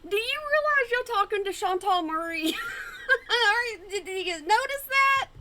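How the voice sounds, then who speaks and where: A woman's voice: extremely high pitch, animated, measured pace, sharp tone, slight background noise. A woman hosting a reaction video at home, making sarcastic, sassy remarks back at a clip. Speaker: reaction channel host. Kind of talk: casual commentary over a clip.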